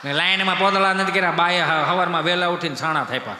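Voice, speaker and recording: A male stage comedian tells folk stories to a live crowd. He shouts his punchlines and laughs through his lines. His voice is high and very bright, with a long hall reverb behind it. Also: fast, slight background noise. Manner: animated, shouts punchlines, laughs mid-sentence.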